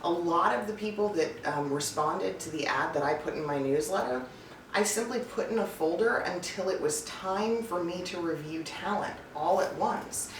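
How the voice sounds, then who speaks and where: A woman with a lowish voice speaks at a normal pace, hosting an advice vlog in which she coaches on voice-over work and draws on her casting director role. Her style is informal, chatty, and emphatic despite a scripted feel, and the distant mic captures room echo and faint noise.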